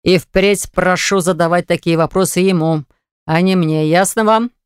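Curt, evasive grown son, read by a woman, low and slow, dry sound. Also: steady tone, smooth, dry recording, lightly acted. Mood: businesslike. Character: adult son, father, curt and businesslike.

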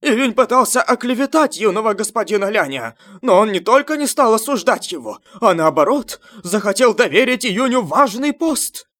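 A man voicing the fawning henchmen of a tribal leader in an audiobook, loud, exclamatory and emphatic. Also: medium pitch, moderate pace, few pauses, dry recording, close to an everyday voice. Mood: adoring, fervent. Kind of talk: audiobook character voice.

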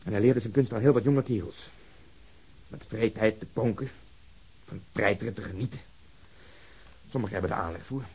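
An actor playing a blunt, bitter police officer in a radio drama, with a husky, emphatic delivery. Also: male voice, lowish voice, normal speed, long pauses, a little mellow. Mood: bitter recollection.

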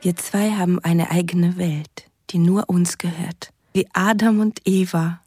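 An actress playing a seductive, romantic online sweetheart, intimate and soulful, in a husky voice for a radio drama. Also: female voice, on the low side, fairly even intonation, a little slow, a little mellow, no room sound, studio quality, faint music behind. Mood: tender. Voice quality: husky, breathy.

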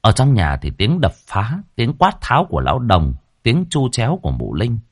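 Brief: deep husky male narrator, horror tale, animated delivery, dry. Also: normal speed, dry recording. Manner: dramatic, vivid storytelling. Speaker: storyteller.

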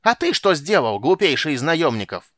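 A man voicing a cranky old male sorcerer who shouts and scolds in a shrill, petulant voice. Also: huge pitch swings, normal speed, no echo, clean studio sound. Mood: ranting.

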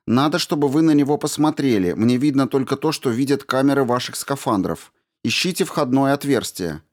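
A man voicing a brisk female mission doctor who gives urgent orders. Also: medium pitch, lively intonation, pitched above the performer's own voice, close to an everyday voice.

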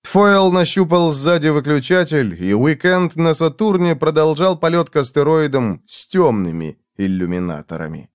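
A man reading a novel aloud as an audiobook narrator, dramatic and expressive. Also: on the high side, moderate pace, few pauses, no echo, clean studio sound. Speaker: audiobook reader. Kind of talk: scripted narration.

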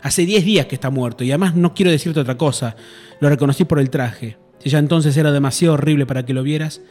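A man voicing a desperate grieving older mother who cries out in a shrill voice, in a read-aloud horror story. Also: fast, darkish tone, soft background music, lightly acted. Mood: fierce.

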